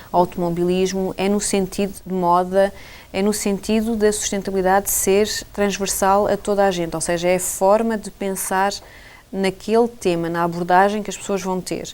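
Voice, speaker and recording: A woman speaks with a European Portuguese accent. Her intonation is flat and monotone. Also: medium pitch for a woman, moderate pace. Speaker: journalist and author. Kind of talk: interview. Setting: studio. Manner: halting, many fillers.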